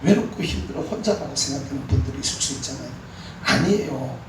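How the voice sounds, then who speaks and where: A man preaching a sermon as pastor, exhorting with animated, emphatic peaks. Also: mid-range voice, fast. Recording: echoey hall, mic far off, faint room noise.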